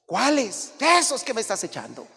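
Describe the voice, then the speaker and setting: A high-pitched male pastor delivers a sermon. He plays out conversations in lively character voices and sometimes climbs to a shout. His voice rings with the long reverb of a large hall. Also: moderate pace, gravelly, husky. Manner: acts out dialogues in animated voices, rising to shouts.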